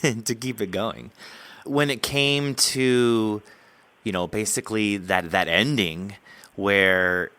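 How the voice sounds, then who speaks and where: A man hosting a podcast interview, chatting casually in an animated, rambling way. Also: on the low side, slow pace, smooth.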